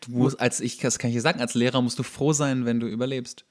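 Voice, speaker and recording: A man's voice: medium pitch, little pitch movement, fast, background noise. Young guy cohosting a podcast, dry sarcastic remarks, just chatting along to a show. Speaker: podcast host. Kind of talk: casual banter commentary on a TV show.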